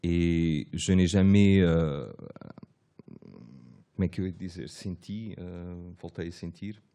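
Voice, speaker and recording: A man answers questions from an audience at a public talk. His voice is very low and mellow and his pace is slow. He stumbles often and circles back over the same words before he finishes a thought. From born in France, raised partly in Clermont-Ferrand. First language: Portuguese. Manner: hesitant, many restarts and repeated words. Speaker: guest author.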